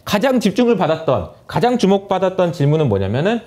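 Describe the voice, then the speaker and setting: Male finance lecturer, slightly high and very animated delivery, acts out quotes. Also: fast. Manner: animated storytelling, acting out quotes. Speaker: investment lecturer. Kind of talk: explanatory market commentary.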